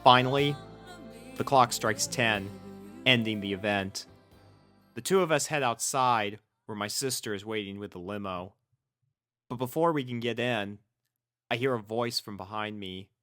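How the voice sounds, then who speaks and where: A man's voice: lowish voice, a little slow, pauses often, pushed and bright, faint music behind. A man reading a first-person story as scripted narration, in an earnest, sentimental manner. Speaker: fan fiction reader.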